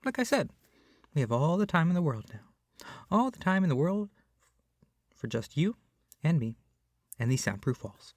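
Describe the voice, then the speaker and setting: A man performing an ASMR roleplay as a doting, awkward, possessive young male kidnapper, speaking softly and hesitantly. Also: on the high side, very animated, moderate pace, pauses often, dry recording, clean studio sound. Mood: calm, doting. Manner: soft, hesitant, rambling, often dropping to a whisper. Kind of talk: ASMR roleplay addressed to the listener.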